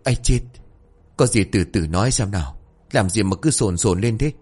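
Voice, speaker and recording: A man's voice: fairly low pitch, expressive, normal speed, darkish tone, husky. A man voicing a grumbling, flustered old village man who stammers out excuses.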